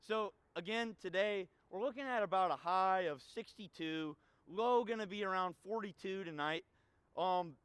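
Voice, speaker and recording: A young man with a high, smooth voice gives a casual weather forecast. He talks in a relaxed way with plenty of fillers. The sound is dry and close. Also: no room sound. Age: young adult. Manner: relaxed, filler-heavy delivery.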